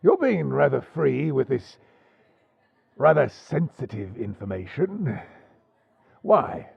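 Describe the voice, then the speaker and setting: Pirate overlord: husky and gravelly, wildly expressive melody, shrewd, genial, theatrical, swashbuckling audio drama. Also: male voice, medium pitch, dry recording, muffled recording, full character voice. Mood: probing, measured. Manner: deliberate, insinuating, theatrical, formal phrasing. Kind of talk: swashbuckling audio roleplay acting.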